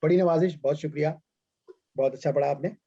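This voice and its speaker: A man's voice: on the high side, quick pace, mellow, breathy edge. A man hosting as master of ceremonies over a video call, with polite, formal and ornate phrasing. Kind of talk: courteous formal event hosting. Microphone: online video call. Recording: dull, muffled online-meeting audio.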